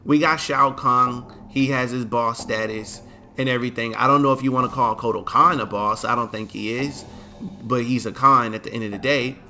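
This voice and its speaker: A relaxed man rambles through casual gaming commentary in slangy talk. He sounds sleepy and keeps stifling yawns. His voice is bright and forward, sitting at an ordinary male pitch. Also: moderate pace. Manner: laid-back, chatty, slangy. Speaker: gaming video host.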